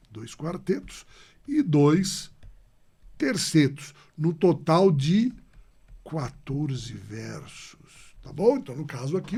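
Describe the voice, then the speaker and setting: Brazilian Portuguese male teacher, lecture read, warm dark tone, explanatory with tag-question check-ins. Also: a little high, breathy edge. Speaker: literature teacher. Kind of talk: recorded lecture.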